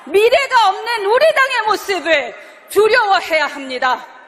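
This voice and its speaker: A woman speaks at a fairly slow pace with an extremely high pitch. Noticeable background noise sits behind her voice. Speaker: politician, party supreme council candidate. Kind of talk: political campaign speech at a party rally. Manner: earnest, rhetorical, emphatic.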